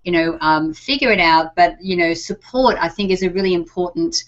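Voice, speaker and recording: A woman's voice: lowish voice, expressive, normal speed. A woman hosting an interview show, talking casually with lots of fillers. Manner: warm-up chatter with many fillers like um and you know. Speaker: show host. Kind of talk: conversational interview. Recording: dull lo-fi recording.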